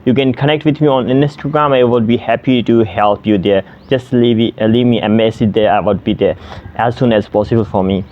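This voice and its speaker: A young man from Pakistan, native Sindhi speaker, chats to camera about tutoring online. His medium-pitched voice halts often on fillers and restarts. The audio sounds slightly dull and lo-fi. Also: fairly quick. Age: 20s. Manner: hesitant, many fillers and restarts. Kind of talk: casual vlog to camera.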